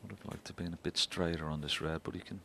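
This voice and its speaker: A man commentates on live snooker in a hushed, measured way. His voice is very deep yet clear-edged and bright, with little rise and fall. Faint noise from the venue sits behind him. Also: steady tone.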